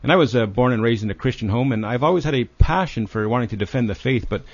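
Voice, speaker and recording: A man's voice: mid-range voice, fast, dry recording. A man from Canada, speaking as a guest in a studio conversation in an earnest, persuasive way. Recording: dry, dull lo-fi studio sound.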